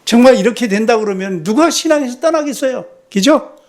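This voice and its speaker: A man's voice: very high-pitched, lively intonation, brisk, darkish tone. A man who is a missionary, preaching a sermon in a church. He keeps asking the congregation rhetorical questions and drops in short "yes" interjections. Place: church sanctuary.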